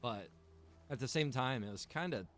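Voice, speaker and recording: A man's voice: mid-range voice, brisk, a little hiss or hum. A man streaming a survival game, chatting casually and rambling to his viewers while he plays. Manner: relaxed, rambling, greets chat viewers by name.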